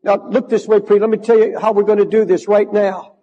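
An older male pastor preaching in a large church, his voice sitting notably high for a man. He builds into fervent, emphatic repetition. The sound carries a long reverb from the hall. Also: flat delivery, fairly quick, muffled recording. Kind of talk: sermon.

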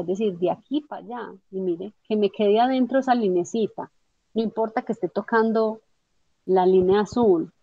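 Lady teacher doing a software walkthrough, patient, keeps asking if you got it, dull dry audio. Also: medium pitch, dry recording. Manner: patient, explanatory, checks understanding with tag questions. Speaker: instructor.

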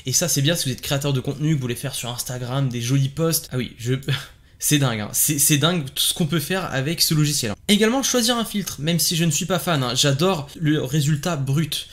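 This is a man with a somewhat high-pitched voice doing a casual product review at home. He talks in a chatty, enthusiastic way, dropping little fillers between thoughts. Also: animated, fairly quick, a bit bright. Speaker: tech reviewer. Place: home desk setup with LED lights behind him.

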